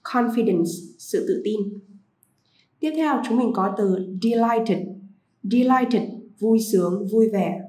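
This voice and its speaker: A woman teaching a vocabulary lesson to pupils, repeating each English word slowly before explaining it. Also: mid-range voice, warm tone, reverberant, poor audio.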